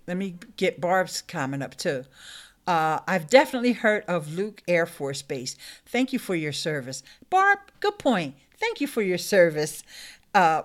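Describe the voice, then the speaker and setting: A woman's voice: mid-range voice, fairly bright tone. A middle-aged woman hosting a casual live stream, chatting upbeat with her viewers and laughing often. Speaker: YouTube live stream host. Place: small room indoors.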